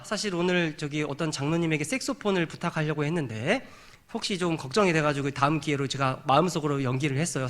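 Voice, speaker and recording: A middle-aged male pastor preaching a sermon in a church sanctuary, building to raised, emphatic peaks. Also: a little high. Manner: acts out trumpet blasts and shouts.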